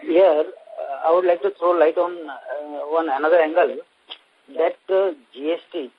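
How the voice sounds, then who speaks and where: A man with an Indian accent, a company executive, giving a halting explanation on an investor conference call. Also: a little high, breathy edge. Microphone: conference call phone line. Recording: dull, lo-fi conference phone line.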